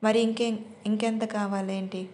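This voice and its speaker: A woman's voice: medium pitch, flat delivery, moderate pace, a little mellow, close to an everyday voice. A woman voicing a sarcastic young man, a groom-to-be, in an audio story.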